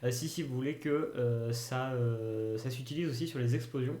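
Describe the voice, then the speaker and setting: At a moderate pace and with a warm tone, a medium-pitched Frenchman walks viewers through a screen-recorded tutorial, musing aloud with lots of hesitations and fillers. He records at home in a roomy space.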